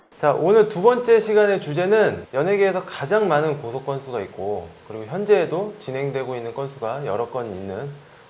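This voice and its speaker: Noticeable background noise underlies this recording of a man. He talks at a fairly quick pace in a fairly high pitch, with very wide pitch swings. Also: big swings in loudness. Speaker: music label association executive, show host. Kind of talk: talk show hosting.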